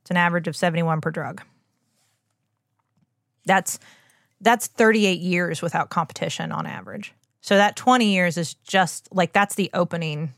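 Low-voiced woman explaining things conversationally. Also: fairly bright tone, no echo, clean studio sound. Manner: earnest, informal, emphatic asides. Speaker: podcast host and doctor.

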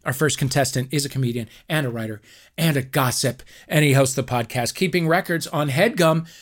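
Male host, mid-pitched, mock-grand game show announcing with playful dry asides. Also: a little fast. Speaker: comedy podcast host. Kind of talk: comic game show hosting.

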